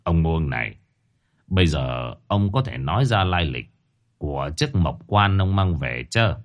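A man voicing a weary older village shaman who talks in a slow, matter-of-fact way. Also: deep voice, lively intonation, husky, pitched below the performer's own voice, exaggerated voice. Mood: calm.

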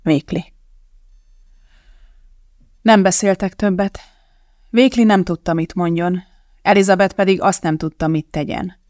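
An audiobook narrator reading a novel in steady, measured scripted narration. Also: mid-range voice, dry recording, clean studio sound.

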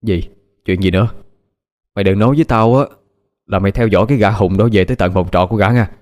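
A man voicing an exasperated young man who scolds his best friend loudly. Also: lowish voice, quick pace, lightly acted.

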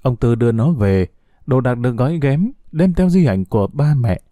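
A man narrates a heartfelt, sorrowful story, his voice moving freely up and down. The tone is dark and mellow. It sounds close and dry. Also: mid-range voice, no room sound. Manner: slow, expressive, heartfelt.

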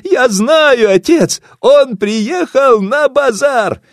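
A man reading an audiobook voices a hysterical, jealous young woman in a shrill, frantic tone. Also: big pitch swings, a little fast, a little mellow, slightly rough, dry recording, studio quality. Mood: triumphant. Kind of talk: audiobook character voice.

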